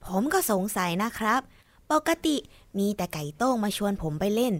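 A woman voicing an inquisitive, blunt young boy who asks lively questions in a children's audio drama. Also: mid-range voice, normal speed, no room sound, natural voice.

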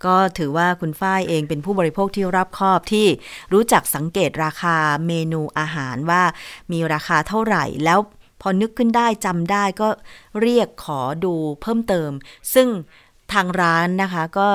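A middle-aged woman hosting a radio talk show, asking polite, measured questions of a caller. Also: fairly low pitch. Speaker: radio host.

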